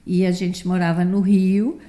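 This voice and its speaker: A woman in her seventies speaks in a lowish, warm voice with little pitch movement, taking her time. She is a theatre director from Brazil, born in Rio de Janeiro and raised in the south, and as an interview guest she tells childhood stories in a relaxed, chatty, rambling way, often tagging sentences with "né."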